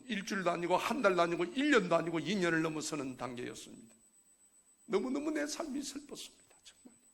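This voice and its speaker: A middle-aged man, a church elder, giving an emotional testimony sermon that swings from hushed pleading to loud exhortation. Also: fairly high pitch, creaky.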